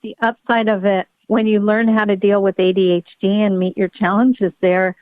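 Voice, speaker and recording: A woman's voice: medium pitch, little pitch movement, normal speed, no room sound. A woman pediatric neurologist speaking as a podcast guest, explaining her work earnestly and upbeat. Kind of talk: podcast interview. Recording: dry tinny phone-like line.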